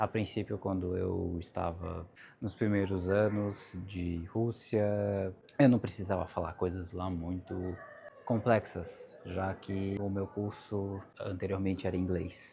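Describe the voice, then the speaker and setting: A man speaks very slowly at a very deep, low pitch, somewhat breathy. His tone is dark and mellow, his intonation monotone and flat. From Brazil. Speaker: vlogger living abroad. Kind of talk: casual vlog monologue. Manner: hesitant, with fillers.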